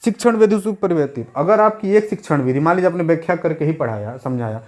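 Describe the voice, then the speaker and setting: A young male teacher delivers an exam-prep lesson in a somewhat high voice. He keeps repeating key terms and putting rhetorical questions to his listeners. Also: lively intonation, fast talker, darkish tone.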